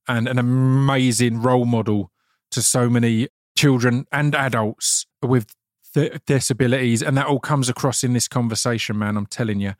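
A dry, closely recorded man's voice with an Essex accent. He hosts a podcast in an informal, chatty way, often doubling back on his words at a middling pitch. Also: no room sound. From Essex, England. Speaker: podcast host. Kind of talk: casual podcast interview.

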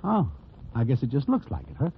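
A wry Broadway storyteller. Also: male voice, medium pitch, wildly swooping pitch, a little fast, creaky, a little hiss or hum. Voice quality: formal, avoids contractions. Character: wry Broadway narrator, talks in the formal present tense. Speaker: narrator. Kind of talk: 1940s radio acting. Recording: tinny old radio broadcast with music.

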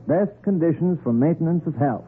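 An actor playing a smooth, officious con man with falsely sympathetic manner in a 1940s radio drama. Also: fairly high pitch, animated, fairly quick, natural voice. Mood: brisk, polite. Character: smooth, crisp male con artist posing as health researcher. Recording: noisy, narrow-band 1940s radio recording.

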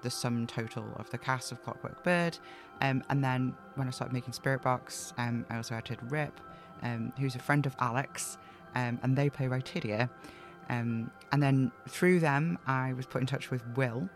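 A man speaking informally as an audio drama creator hosting a chatty question-and-answer podcast. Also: medium pitch. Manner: informal, conversational.

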